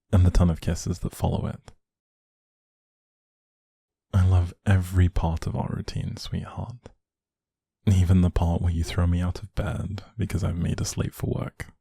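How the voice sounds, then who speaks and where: A man playing a doting, playfully teasing young boyfriend in an intimate one-sided roleplay, speaking affectionately with a soft, husky voice. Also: level tone, unhurried, long pauses, dry recording, studio quality, heavily acted. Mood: tender. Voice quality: low, soft, husky, creaky.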